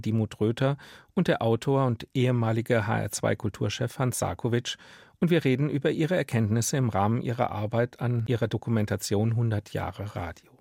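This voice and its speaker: Male radio presenter, formal scripted moderation, gravelly edge, dry studio sound. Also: medium pitch, a little fast, a little mellow, no echo. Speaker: radio host.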